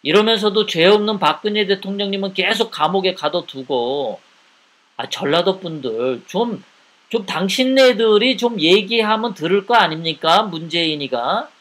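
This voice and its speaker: A man with a high-pitched voice delivers live political commentary as host. He speaks in an indignant tone, hammering his points with repeated rhetorical questions. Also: lively intonation, moderate pace, a bit bright.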